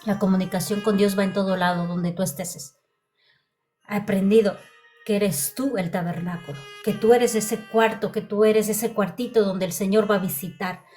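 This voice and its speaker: A woman's voice: medium pitch, steady tone, moderate pace, warm tone, faint music behind. A woman preacher giving a heartfelt sermon testimony, often repeating her phrases. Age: adult.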